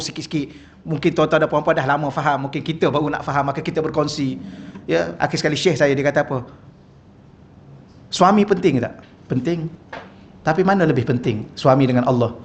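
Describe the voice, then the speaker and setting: A man with a Malaysian Malay accent giving a humorous, conversational religious lecture in a mosque hall, often asking the audience questions. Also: on the high side. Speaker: religious teacher. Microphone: wireless microphone.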